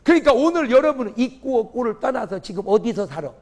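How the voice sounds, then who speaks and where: A man's voice: very high-pitched, sing-song, fast. A male pastor giving a humorous revival sermon, firing questions at the congregation and exclaiming. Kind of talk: revival sermon with audience call-and-response. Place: church or large auditorium before a congregation.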